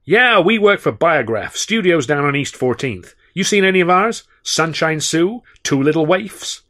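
A man's voice: fairly high pitch, lively intonation, a bit bright, pitched above the performer's own voice. A man voicing a brash, boastful big male film producer who talks in a slangy, blustering way. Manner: blustering, fast-talking, slangy.

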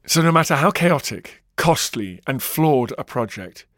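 A man's voice: medium pitch, animated, measured pace, fairly bright tone, dry recording, studio quality. Dramatic male documentary narrator. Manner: dramatic storytelling, varied emphasis. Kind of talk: scripted historical narration.

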